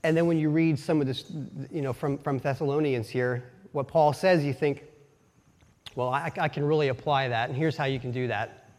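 His voice medium-pitched and a little mellow, a lay preacher from Pennsylvania, USA, keeps a steady tone and moderate pace. He has a light Pennsylvania Dutch accent and his casual, folksy sermon is full of personal anecdotes, self-mockery and restarted sentences. The church sanctuary gives everything a long reverb.

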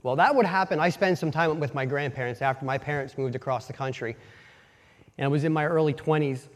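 Standing in a church sanctuary, a folksy lay preacher from Pennsylvania, USA, speaks with a Pennsylvania Dutch accent and a slightly high voice. His casual sermon runs on personal stories, self-deprecating humor and halting restarts, all carried by long church reverb.

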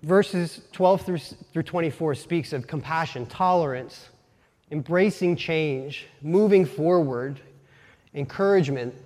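A man with a light Pennsylvania Dutch accent preaches in a relaxed, storytelling way, poking fun at himself and often restarting his sentences. His voice sits a little high for a man. The long reverb of a church hall trails after every phrase. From Pennsylvania, USA. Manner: folksy, self-deprecating, halting restarts. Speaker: lay preacher. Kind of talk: casual sermon with personal stories. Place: church sanctuary.

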